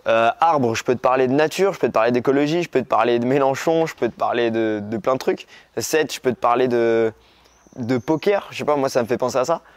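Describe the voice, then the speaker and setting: Young male coach from Morocco, mid-pitched, animated, plays with pace and emphasis. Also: no room sound. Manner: lively, expressive, speeds up and slows down for emphasis. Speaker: dating coach. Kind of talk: coaching video lesson.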